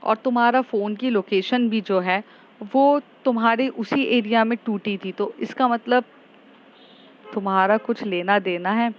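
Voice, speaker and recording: A woman's voice: on the high side, a little slow, lo-fi sound, lightly acted. A woman voicing Ayan, a suspicious young man who presses with probing, accusing questions.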